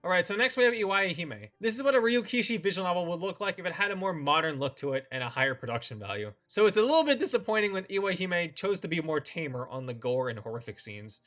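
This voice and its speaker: A man's voice: sits high, very animated, fast, hardly any pauses, a bit bright, soft background music. A man hosting a review in semi-scripted commentary, opinionated and given to informal asides. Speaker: host of a visual novel review channel.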